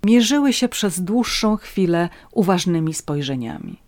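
A woman reading a novel aloud in a measured, even storytelling manner. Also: lowish voice. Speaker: audiobook narrator. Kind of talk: scripted narration of a novel.

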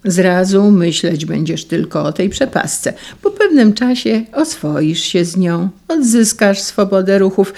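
A woman reading the part of an old male blindfold maker who gives warm, earnest counsel in a storybook reading. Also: mid-range voice, gravelly.

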